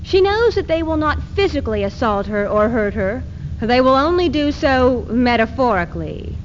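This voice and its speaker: A high-pitched, defiant feminist woman, acted by a woman recites with declamatory emphasis in readers theater. The old archive recording is muffled, with faint hiss. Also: expressive, moderate pace. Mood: grave, indignant.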